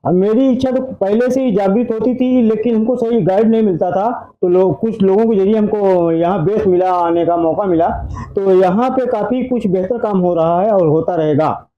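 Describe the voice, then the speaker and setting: A man's voice: sits high, normal speed, dull audio. A man in his fifties, a guest hoping to become a singer, answering earnestly in long rhetorical lists. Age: 50s. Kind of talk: earnest interview answers, folk song.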